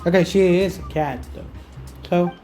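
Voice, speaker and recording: A gaming YouTuber giving casual, halting gameplay commentary, often muttering to themselves. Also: medium pitch, mellow. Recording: faint game music behind.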